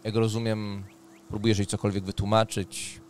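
A man's voice: lowish voice, little pitch movement, moderate pace, darkish tone, a little hiss or hum. A man working as game master, narrating a tabletop roleplaying game in a dramatic storytelling manner. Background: music.

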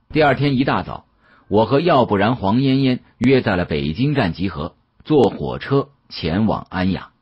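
A male audiobook narrator tells a mystery in the first person. His voice is deep and very raspy, with lively, dramatic intonation. The recording is slightly dull.

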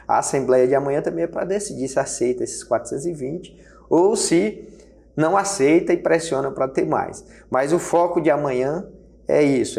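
Gravelly-voiced union leader making his case. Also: mid-range voice, darkish tone. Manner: emphatic, gestures broadly while speaking. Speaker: health workers' union leader. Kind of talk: interview answers. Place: small studio set with table. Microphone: lapel mic.

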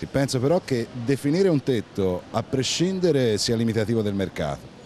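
A man's voice: medium pitch, sing-song, moderate pace, darkish tone. A man in his forties arguing his point step by step in a street interview. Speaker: interviewed passer-by. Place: outdoors under a city colonnade. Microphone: handheld interview microphone. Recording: faint street and traffic noise.

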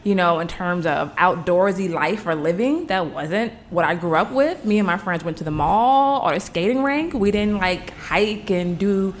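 A woman's voice: lowish voice, expressive, moderate pace, hardly any pauses, a little hiss or hum. Candid, laughing woman homesteader. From Hampton, Virginia. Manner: candid, self-deprecating, laughs easily. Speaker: guest, homesteader. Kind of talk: casual interview conversation.

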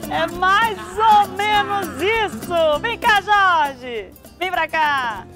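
A high-voiced woman hosts a live TV show, playful and teasing, jumping to bright exclamations. She speaks on a lapel mic in a studio while clear music plays behind her. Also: expressive, very slow. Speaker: TV show host. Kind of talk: lively studio talk.

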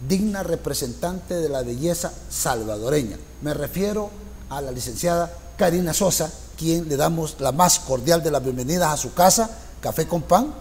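An older man co-hosting a political TV interview, speaking in an effusive, flattering and emphatic way. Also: on the high side, long reverb tail, slight background noise. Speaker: TV interview co-host. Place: TV studio.

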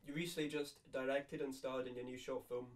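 A man's voice: medium pitch, steady tone, a little fast, distant mic. A young male student interviewing an actor, asking his questions with a hesitant manner. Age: young adult.

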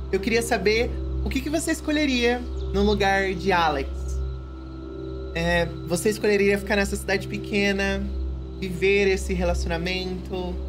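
A thirty-year-old woman with a Brazilian accent, commenting on a game to her live chat in a reflective, emphatic way. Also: medium pitch. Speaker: game streamer. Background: game music.

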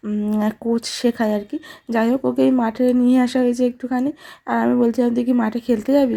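A woman's voice: fairly high pitch, gravelly, mellow. A young mother, chatting casually in a vlog about her day while she holds her baby outdoors. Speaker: vlogger and new mother. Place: outdoors near a large field.

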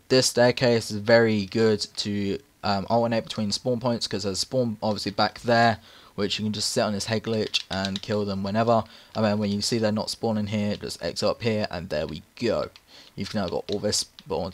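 A hoarse, raspy man narrating casual gameplay tips over footage, rambling with many fillers. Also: fairly low pitch. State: hoarse from repeated takes. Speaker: gaming channel host.

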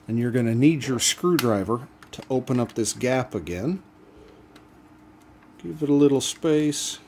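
A man talks through a hands-on fix at a workbench, relaxed and methodical, his pitch rising and falling with lively swings. His voice sits in a middle register. A faint hiss of background noise runs under him. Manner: relaxed step-by-step explaining while working hands-on. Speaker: DIY channel host. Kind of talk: casual how-to demonstration.

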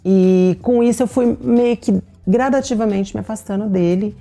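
A woman's voice: medium pitch, moderate pace, gravelly, warm tone. A middle-aged woman with a Brazilian Portuguese accent who tells her own story candidly and speaks straight to her listeners. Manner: acts out remembered dialogue as she tells it. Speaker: storyteller sharing a personal testimony. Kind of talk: personal testimony, told to viewers.

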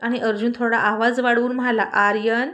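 A woman's voice: fairly high pitch, fairly even intonation, normal speed. A woman narrating a serialized romance story, reading expressively and mixing in English phrases.

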